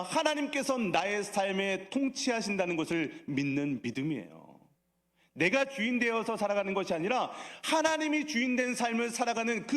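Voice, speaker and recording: A man's voice: high-pitched, a bit bright. A man preaching as a pastor at a church service, asking the congregation questions and slipping in playful asides. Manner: playful asides that draw laughs. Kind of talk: sermon. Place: church sanctuary.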